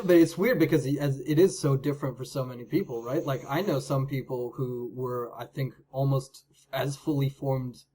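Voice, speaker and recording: Male guest, mid-range voice, relaxed conversational tone with lots of hedges. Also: mid-range voice. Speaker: podcast guest. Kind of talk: casual chat.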